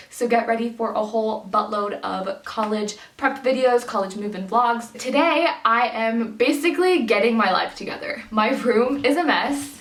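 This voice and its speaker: With hardly any pauses, a woman speaks in a fairly high pitch. Audible room echo and noticeable background noise surround her voice. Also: ordinary pitch variation, moderate pace. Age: 20s. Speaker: lifestyle vlogger. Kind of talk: casual vlog talk. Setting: bedroom at home.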